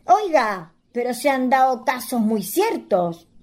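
A woman acting a sly, chatty Chilean country ghost in a radio play, with a husky voice. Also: a little high, very animated, takes it slowly, darkish tone, heavily acted. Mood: teasing.

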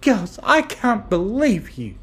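A performer voicing a gentle, protective young female pegasus who is earnest and quick to chide. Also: mid-range voice, big pitch swings, soft background music, voice pushed up. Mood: protesting. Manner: soft-hearted, earnest, chiding.

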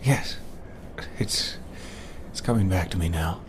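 An actor playing a haunted, weary male adventurer in a horror audio drama, with a halting, brooding manner. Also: low voice, a little hiss or hum. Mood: dazed.

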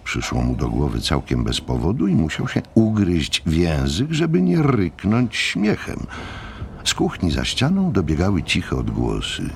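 A man's voice: sits low, wildly swooping pitch, a little slow, creaky, a little hiss or hum. A man narrating a novel as a scripted dramatic audiobook.

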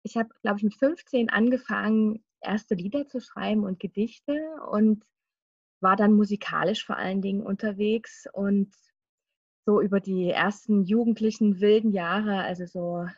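A woman's voice: mid-range voice, steady tone, moderate pace, no room sound, highs cut off. A woman in her thirties, a guest in a casual podcast interview, talking chattily with frequent laughs and fillers. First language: German. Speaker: guest, singer and children's author.

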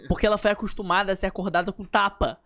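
A man's voice: high voice, little pitch movement, very fast, crowd noise. A young man chatting as a podcast guest, joking and playful, acting out little scenes. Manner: joking, playful, acts out scenes in put-on voices. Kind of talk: casual podcast chat.

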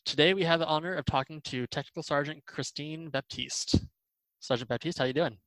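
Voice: mid-range voice, a little fast, a bit bright, dry recording, poor audio. Hesitant interview host, dry sound. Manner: hesitant, many fillers. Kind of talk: casual interview questions.

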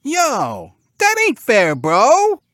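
Man putting on a squeaky, excitable bro-talking cartoon pig. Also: very slow, no echo, clean studio sound, heavily acted. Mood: boastful, squabbling. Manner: bro-slang, whiny, excitable. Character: immature, girl-crazy young male cartoon pig brothers.

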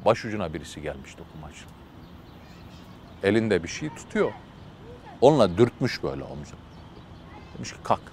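A man's voice: low voice, very animated, brisk, creaky, pauses often, darkish tone, slight background noise. A man preaching through a religious story, told vividly and dramatically with casual fillers.

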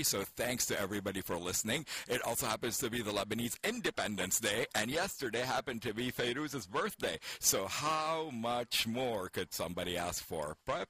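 A man's voice: lowish voice, bright, forceful tone, slight background noise. A man hosting a college radio show, chatting casually and teasing his co-host playfully. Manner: playful teasing, quick laughs.

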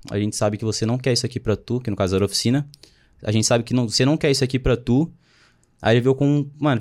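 A man's voice: medium pitch, a little mellow. A young man in his twenties, casually telling his life story in a slangy way, often quoting what others said. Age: 20s. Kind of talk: casual chat.

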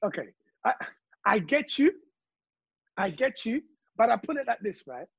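A man from Congo talking passionately in casual chat, telling his views with animated stories. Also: high voice, moderate pace, creaky, breathy edge, dry recording, lo-fi sound.

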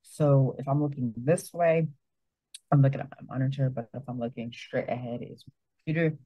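A man co-hosting a casual show, talking in a halting way and repeating himself. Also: mid-range voice, fairly even intonation, breathy edge, no echo, highs cut off. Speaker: podcast co-host. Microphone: desk setup with monitor.

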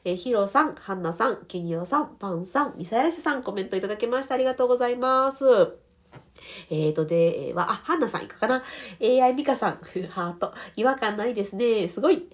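A woman's voice: a little high, expressive, a little fast. A woman voice trainer with a Kansai accent, hosting a casual livestream, reading comments politely and laughing often while recovering from a sore throat. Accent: Kansai Japanese. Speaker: voice trainer and podcast host.

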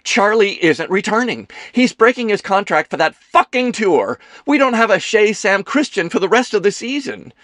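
Man putting on a high, dramatic, gushing actress. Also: sing-song, normal speed, fairly bright tone, no room sound. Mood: dramatic panic. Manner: theatrical, emphatic, exclaiming. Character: dramatic, gushing woman actress, bossy and flirtatious. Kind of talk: audiobook character dialogue.

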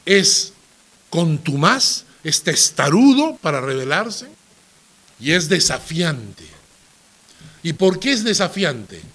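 A middle-aged pastor teaching a Bible study with a fairly high, lively voice that swings up and down. He tells stories with animation and keeps checking that his listeners agree with him. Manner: animated storyteller, often asks listeners for agreement.

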